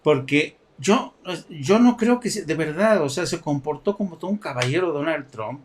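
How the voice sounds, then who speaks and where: Man, political pundit, a bit high-pitched, playful sarcasm, quick to laugh. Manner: mocking, animated, laughs often. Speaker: political commentator.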